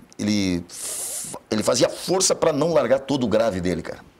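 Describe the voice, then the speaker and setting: Noticeable noise runs in the background. A man's voice comes through. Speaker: radio announcer. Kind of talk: interview answer.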